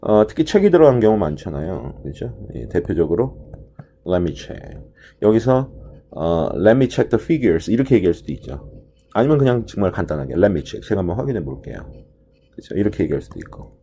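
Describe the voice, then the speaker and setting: A man's voice: deep voice, very animated, moderate pace, mellow, slight background noise. A man teaching a test-prep listening lesson, explaining each answer choice step by step and stretching out key words for emphasis. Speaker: TOEIC listening instructor.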